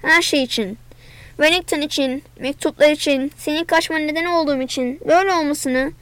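A woman reading the part of an angry middle-aged father who shouts in a family row. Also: sits high, a little fast, no room sound. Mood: pleading. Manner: shouting, bitter, later pleading.

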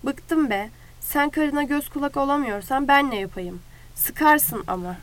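A woman voicing a calm, authoritative ranch leader who talks firmly and steadily. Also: sits high, a little slow. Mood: fed up. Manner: firm, steady.

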